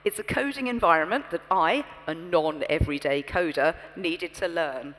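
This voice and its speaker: A young British woman giving a scripted keynote on a large conference stage, poised and expressive, through a headset mic. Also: fairly low pitch, moderate pace. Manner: poised, expressive, storytelling delivery. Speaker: keynote speaker. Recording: long reverb from a large hall.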